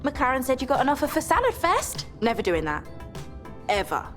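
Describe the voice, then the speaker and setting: An actress in a children's TV comedy, speaking emphatically with a lively voice. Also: female voice, sits high, brisk, faint music behind, full character voice. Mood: grateful.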